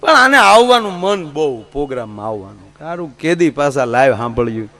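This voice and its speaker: A man's voice: a little high, a little fast. A man telling comic stories on stage, acting out stutters. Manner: lively, acts out stutters in his tales. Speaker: folk comedian. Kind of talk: stand-up storytelling.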